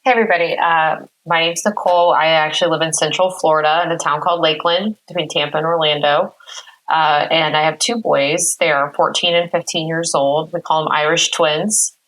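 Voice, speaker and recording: Low-pitched woman, casual podcast guest. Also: fairly even intonation, a little fast, a bit bright, poor audio. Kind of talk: casual self-introduction.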